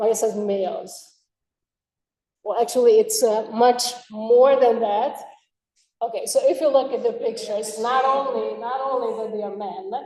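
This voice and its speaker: A woman speaks at a moderate pace with long, frequent pauses, in a Hungarian accent. Her high-pitched voice has a dark, mellow tone and ordinary pitch variation. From Hungary. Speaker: computer science researcher. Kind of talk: seminar talk. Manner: halting, many fillers.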